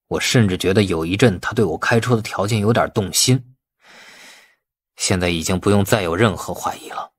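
A man's voice: fairly low pitch, fairly bright tone, slightly rough, dry recording, clean studio sound. A man voicing an irascible, calculating police chief in an audiobook, blustering and commanding.

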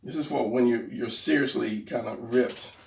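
A man with a gravelly, hoarse voice walks through a drawing lesson, often trailing off into mutters as his pen moves. He sits at a desk, picked up by a mic set some way back, so the voice sounds a little distant. The room adds a noticeable echo. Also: medium pitch, normal speed, slight background noise. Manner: talks while drawing, trailing off and muttering to himself. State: losing his voice. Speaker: art instructor. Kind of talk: drawing tutorial while sketching. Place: indoors at a desk. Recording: roomy, slightly distant mic.

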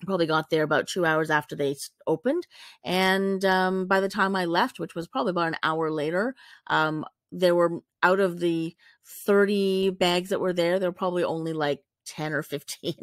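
A woman's voice: lowish voice, fairly even intonation, moderate pace, no echo. Chatty woman narrating over photos, dry sound. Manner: rambling, many fillers and self-corrections. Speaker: vlogger describing a warehouse sale.

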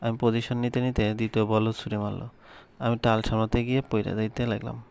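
Gravelly, flat-voiced man narrating a story. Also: fairly low pitch, fairly quick. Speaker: story reader. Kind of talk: first-person storytelling narration.

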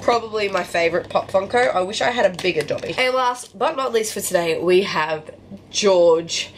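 A young woman with a nasal voice talks in a loose, self-mocking, bubbly way as she unboxes toys for her home vlog. Her voice sits at an ordinary pitch for a woman. It carries the bounce of a bare, echoey room, with a light hiss underneath. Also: moderate pace. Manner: chatty and self-mocking, bubbly over small finds. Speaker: book vlogger. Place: home living room and bedroom, indoors.

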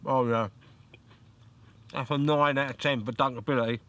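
A man's voice: mid-range voice, steady tone, normal speed, a bit bright. Chatty man vlogging by a lake. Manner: chatty, repeats "look" often, coos at his dog. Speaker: fishing vlogger. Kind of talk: casual outdoor vlog. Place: beside a lake, outdoors by a tent. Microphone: handheld camera close to face.

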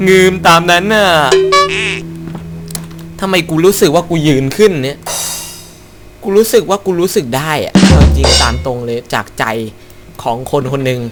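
A man hosting a horror game playthrough, talking loud, crude and excitable and shouting whenever something startles him. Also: on the high side, a little slow, pauses often. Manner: loud, profane and excitable, yelling at scares. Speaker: gaming channel host. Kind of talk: Let's Play commentary. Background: game music.

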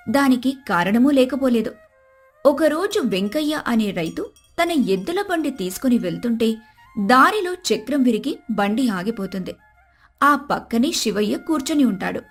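A woman's voice: a little high, slightly rough. A woman reading a scripted moral story as its narrator.

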